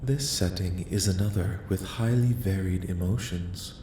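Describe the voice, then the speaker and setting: A man voicing a curious, polite, detached alien researcher in a soft-spoken ASMR roleplay, questioning in formal, clinical, measured phrases. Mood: calm, curious. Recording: echoing voice with faint rumbling noise.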